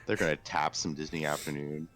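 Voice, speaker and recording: A man's voice: very deep voice, flat delivery, brisk, fairly bright tone, faint music behind. A man co-hosting a podcast in casual chat. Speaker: podcast co-host.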